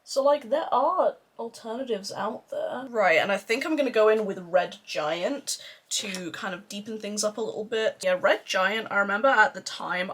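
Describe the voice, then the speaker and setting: The husky-voiced woman you'd hear on a makeup tutorial, rambling playfully to her followers as she works. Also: mid-range voice, fairly bright tone. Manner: playful, sweary, self-deprecating. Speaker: beauty vlogger doing a makeup tutorial. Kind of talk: casual rambling chat to camera.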